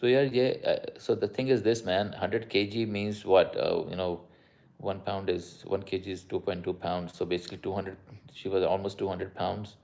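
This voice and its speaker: A man's voice: low voice, level tone, moderate pace, vocal fry, a little mellow. A man with a South Asian accent, a doctor chatting casually on a live stream, switching between Urdu-Hindi and English mid-sentence. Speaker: doctor answering live viewer questions.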